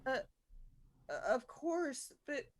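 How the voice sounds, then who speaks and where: A woman playing an awkward, anxious junior high girl in a script read, hesitant and pleading. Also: sing-song, slow pace, heavily acted. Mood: timid, pleading. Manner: hesitant, stammering, protesting. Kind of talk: table read of a film script.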